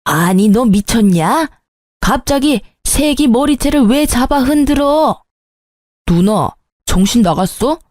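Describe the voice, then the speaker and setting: Brief: angry husband scolding his sister, sharp delivery, mellow dark tone, voiced by a woman. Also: a little high, expressive, takes it slowly, no echo, clean studio sound. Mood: alarmed. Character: angry younger brother, husband defending his wife.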